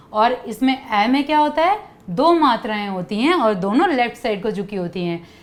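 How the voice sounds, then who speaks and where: A woman teaching young children, coaxing them with questions and asking them to repeat sounds after her. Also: fairly high pitch. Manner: coaxing, asks kids to repeat. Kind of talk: children's lesson.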